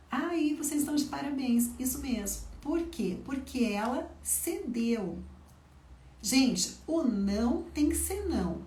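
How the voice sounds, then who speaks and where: A woman teaching an online parenting class to mothers, lively and questioning, answering herself. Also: on the high side, recorded from a distance. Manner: lively, asks the audience and answers, quick bursts. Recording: roomy sound, set back from the mic.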